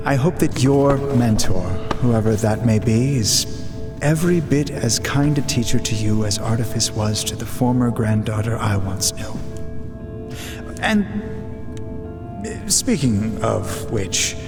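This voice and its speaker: An actor playing a gentle, wistful chronicler in an audio drama, hesitant, reflective and polite. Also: male voice, mid-range voice, animated, slow pace. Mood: grateful, nostalgic. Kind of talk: fiction podcast character acting. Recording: long hall reverb, music underneath.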